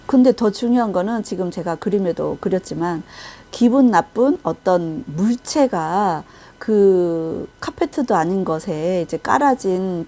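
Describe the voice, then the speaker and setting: A woman's voice: fairly low pitch, warm tone. A woman preaching and recounting a vision in testimony style, restarting often and acting out the people in it. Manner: retells a vision with acted quotes and frequent restarts. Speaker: Christian intercessory prayer minister.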